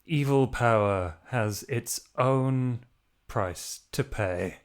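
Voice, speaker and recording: A man playing a grave, defiant Catholic priest who hunts monsters, speaking sternly and deliberately in a tabletop game. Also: mid-range voice, smooth.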